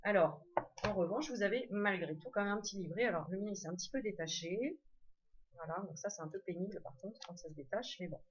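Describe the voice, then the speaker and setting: A woman's voice: medium pitch, quick pace, breathy edge, muffled recording. A woman casually showing her tarot and oracle card decks, chatty, with many fillers and restarts. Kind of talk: casual show-and-tell.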